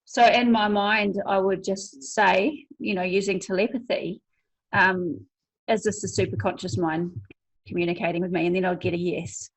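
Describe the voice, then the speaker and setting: A middle-aged woman from New Zealand with a New Zealand accent, talking as a guest about her hypnosis work in a relaxed way, with many ums and light laughs. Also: mid-range voice, normal speed, rough recording. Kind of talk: casual conversational interview.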